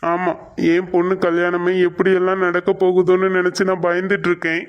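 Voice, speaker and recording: A man voicing a gruff, stubborn middle-aged husband and father who speaks curtly. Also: high voice, completely flat delivery, brisk, muffled recording, close to an everyday voice. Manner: gruff, curt. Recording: soft music underneath.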